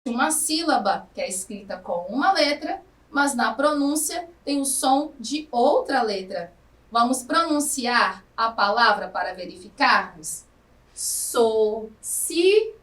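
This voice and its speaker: A woman teacher with a Brazilian Portuguese accent giving a recorded lesson to adult students, speaking slowly and drawing out her words. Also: a little high, lively intonation, a bit bright, recorded from a distance. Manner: slow, careful, drawn-out words. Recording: echoey room, somewhat off-mic.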